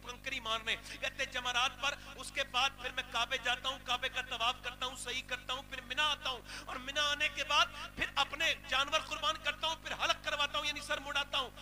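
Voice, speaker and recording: An impassioned male preacher delivering a religious sermon in a very high, strained voice. He swings between loud outbursts and hushed passages as he tells the story. Clear music runs behind him. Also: little pitch movement, fairly quick, few pauses.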